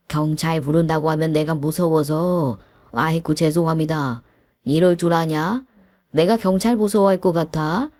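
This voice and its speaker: A menacing young male thug, crude and bullying, as a woman acts him out. His lowered voice sneers and threatens, then flares into shouts. The sound is close and dry, like a storytelling booth. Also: no echo. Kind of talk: Korean audio story acting.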